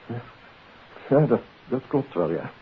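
A man's voice: mid-range voice, big pitch swings, a little slow, slightly rough, exaggerated voice. An actor playing an uneasy, formal male suspect in a 1950s Dutch radio play, hesitant and defensive. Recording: tinny, hissy old radio recording.

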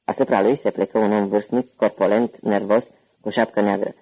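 A man narrating an audiobook in steady, even scripted storytelling. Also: fairly low pitch, breathy edge, rough recording.

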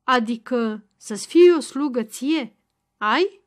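A woman voicing a stubborn, crafty old peasant father-in-law who speaks in a loud, gruff, mocking way. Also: on the high side, close to an everyday voice. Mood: angry, stubborn.

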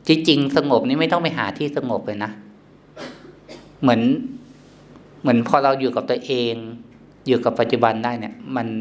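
A man, a Thai monk, giving a gentle, unhurried dharma talk at a meditation retreat, with many pauses, soft fillers and a quiet chuckle now and then. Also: medium pitch, slight background noise.

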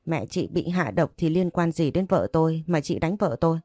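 A woman's voice: deep voice, lively intonation, moderate pace, warm tone, dry recording, studio quality, faint music behind. A woman voicing a hot-tempered young husband who scolds and threatens to defend his wife, in a storybook reading. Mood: angry.

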